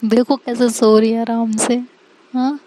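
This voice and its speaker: A woman's voice: on the high side, level tone, unhurried, dark tone, a little hiss or hum, lightly acted. A woman reading the part of an exasperated young bride who scolds her teasing friends in a storybook love story.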